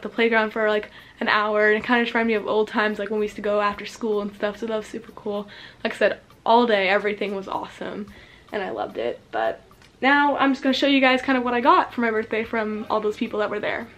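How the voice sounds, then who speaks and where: A sixteen-year-old girl chatting casually and bubbly in a vlog, talking so fast she runs out of breath and saying "like" a lot. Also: a little high, flat delivery, a bit bright. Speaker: vlogger. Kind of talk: casual chat.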